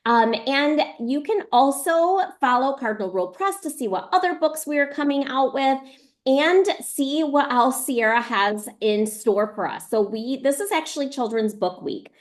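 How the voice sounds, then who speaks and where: Lady host for an online school book event, chatty, voice a bit on the high side. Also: expressive, normal speed. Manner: chatty, addresses children and teachers. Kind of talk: hosting a live virtual author visit for schoolchildren.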